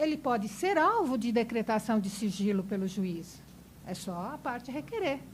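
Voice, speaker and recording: Her intonation is lively. This woman speaks at a fairly high pitch. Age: 60s. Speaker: tax lawyer. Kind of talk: public comment at workshop. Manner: halting, with repetitions.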